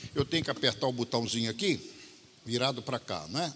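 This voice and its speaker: A man talks with a Minas Gerais accent. His voice has vocal fry. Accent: Minas Gerais Brazilian Portuguese. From Brazil, Minas Gerais. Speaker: rabbi / messianic preacher. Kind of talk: lecture.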